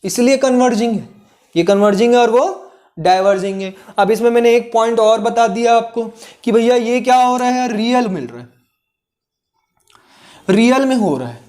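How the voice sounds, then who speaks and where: A man's voice: very high-pitched, normal speed, a little mellow. A man teaching a physics lesson in Hindi mixed with English, explaining step by step, repeating key phrases and often asking students if they follow. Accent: Indian English terms mixed into Hindi. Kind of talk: classroom lesson.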